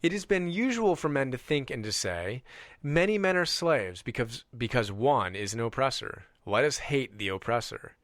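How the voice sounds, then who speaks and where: A man reading a self-help audiobook in a measured, deliberate way, stressing contrasts. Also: medium pitch, expressive, a bit bright, no room sound, studio quality. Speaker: audiobook reader.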